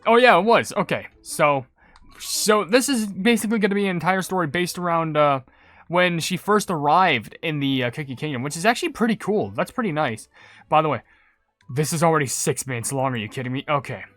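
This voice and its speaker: Male gaming host, casual chatty commentary, lively intonation, faint game music underneath. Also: on the high side, fairly quick, no room sound.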